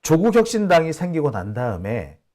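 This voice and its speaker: A man's voice: fairly high pitch, brisk. A middle-aged man from Busan hosting casual political commentary, telling stories and affirming himself with short "ye" interjections. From Busan, South Korea. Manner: animated, storytelling, frequent "ye" affirmations. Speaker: YouTube channel host.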